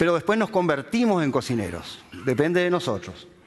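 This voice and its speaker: His pitch moves in very wide swings. The man keeps up a fairly quick pace. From Paraguay (Asunción), born in Uruguay. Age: 40s. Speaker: TV chef. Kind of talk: talk to an audience. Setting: stage with audience. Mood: warm, humorous. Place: stage.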